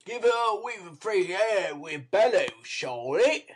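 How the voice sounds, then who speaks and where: A man voicing a quick-witted young pickpocket in a storybook reading, hissing out sharp orders. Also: sits high, lively intonation, husky, pitched above the performer's own voice, full character voice. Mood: urgent.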